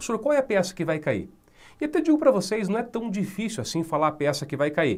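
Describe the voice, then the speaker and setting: A man with a Curitiba accent, fairly quick pace and lively intonation. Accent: Curitiba accent, clear final E. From Curitiba, Paraná, southern Brazil. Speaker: law professor. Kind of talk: video lecture. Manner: conversational, friendly.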